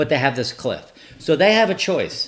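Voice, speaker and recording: The man's tone is animated. His pitch makes very wide swings. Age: 60s. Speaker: retirement lifestyle video host. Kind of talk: unscripted casual debate between a couple. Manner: animated, frequent interruptions.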